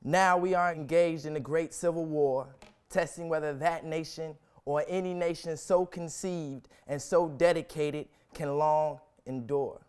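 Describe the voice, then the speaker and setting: A young man reciting a historic speech as solemn, dramatic oratory, with deliberate, emphatic phrasing and long pauses. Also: on the high side, steady tone, smooth. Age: young adult.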